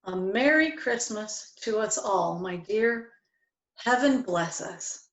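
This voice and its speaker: A woman playing a kindly, good-humoured father in a storybook play, expressive and affectionate. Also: mid-range voice, takes it slowly. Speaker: amateur reader, library staff. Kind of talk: dramatic reading of a classic story. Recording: echoey room.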